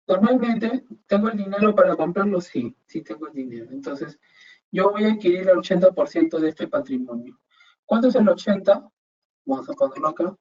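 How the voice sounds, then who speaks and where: A man's voice: high voice, expressive, a little fast, darkish tone, breathy edge. A man teaching an online accounting class, explaining step by step and asking rhetorical questions. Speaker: accounting instructor. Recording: dull distant mic with faint hiss.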